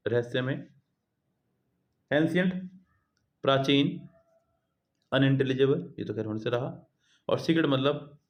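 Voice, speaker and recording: Speaking in a mid-range voice, a man leads exam prep by reading the English questions aloud slowly. He follows each with a Hindi explanation, calling his students guys and children.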